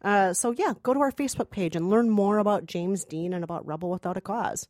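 A woman's voice: medium pitch, a little fast, darkish tone, no room sound, clean studio sound. A woman co-hosting a film review podcast, talking casually with enthusiasm and emphasis. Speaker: podcast co-host, film critic.

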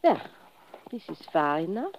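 A woman's voice: on the low side, sing-song, a little slow. A woman acting as a vengeful, intense young foreign woman speaking broken English in a 1950s radio drama. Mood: coaxing, secretive. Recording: muffled noisy old radio recording.

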